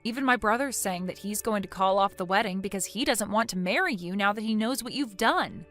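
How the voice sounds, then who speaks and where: A woman plays a composed young woman who was wronged, in an animated story. She speaks in a low, cold, measured tone and stays firm. Her voice is bright and clear, with faint music behind it. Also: close to an everyday voice. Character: calm, resolute young woman injured in an accident.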